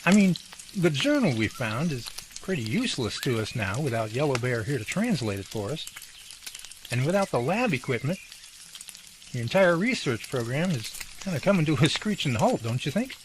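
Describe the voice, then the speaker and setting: A man's voice: medium pitch, big pitch swings, normal speed, noisy background, natural voice. A man playing a sceptical, easily discouraged research sidekick in an amateur drama, with a wry way of talking. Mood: worried.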